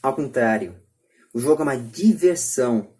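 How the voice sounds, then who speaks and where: A woman's voice: very deep voice, expressive, moderate pace, dark tone. A Brazilian woman giving her opinions in a podcast discussion, emphatic and repeating her points. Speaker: podcast speaker.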